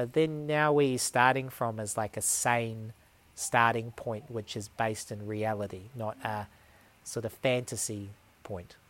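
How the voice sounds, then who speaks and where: A man speaks at a moderate pace. His medium-pitched voice keeps a fairly even intonation. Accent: New Zealand. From New Zealand. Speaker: yoga teacher. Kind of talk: casual interview. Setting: away from studio, dog present.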